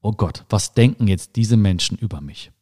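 Earnest German man, emphatic motivational talk. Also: moderate pace. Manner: earnest, emphatic, lively swings in pitch. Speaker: podcast host.

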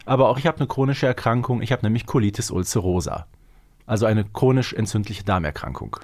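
A man's voice: lowish voice, fast, a little mellow. A man chatting casually as a podcast co-host.

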